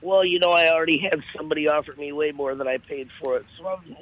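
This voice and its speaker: A woman with a deep, raspy voice calling in to a radio show, a little groggy. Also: steady tone, fast talker. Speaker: caller. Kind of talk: call-in chat. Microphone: phone. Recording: muffled phone line.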